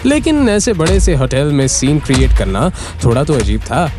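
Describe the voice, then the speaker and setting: A man's voice: fairly high pitch, wildly swooping pitch, normal speed, music in the background. A man narrating an audio drama in a dramatic storytelling way.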